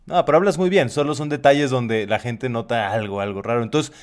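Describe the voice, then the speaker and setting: A man's voice: mid-range voice, brisk. A man in a thoughtful discussion, explaining reflectively and restating his phrases as he goes.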